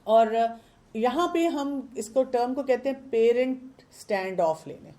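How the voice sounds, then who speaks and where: A woman's voice: on the high side, animated, dark tone. A woman with a Pakistani Urdu accent, a parenting expert who explains with everyday examples and questions, mixing English words into her talk.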